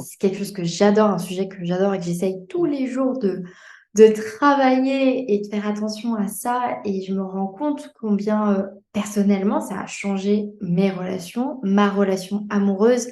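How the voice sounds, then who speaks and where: The tone is dark and mellow, with ordinary pitch variation. Delivery is fairly slow. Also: woman, medium pitch for a woman. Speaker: organisation coach, podcast host. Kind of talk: podcast interview question.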